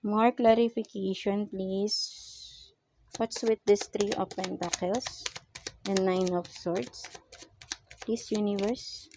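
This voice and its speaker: Drawing cards for a casual tarot reading, a woman with a Filipino accent switches between Tagalog and English, slowly murmuring pleas and coaxing rhetorical questions. Her mid-range voice has fairly even intonation and a slightly mellow tone, and the audio is poor.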